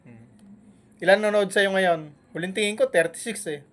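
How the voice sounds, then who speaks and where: A man's voice: high voice, fairly bright tone. Taunting man scolding a rival vlogger. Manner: taunting, scolding, with drawn-out hums between jabs. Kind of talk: live-stream rant at a rival.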